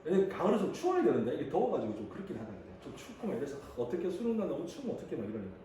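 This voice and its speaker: A man in his thirties teaching high school English, chatting and joking with his students as he calls on them to read. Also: wildly swooping pitch, racing, far from the mic. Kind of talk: classroom lecture. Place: classroom. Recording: echoey room, voice off-mic, faint hiss.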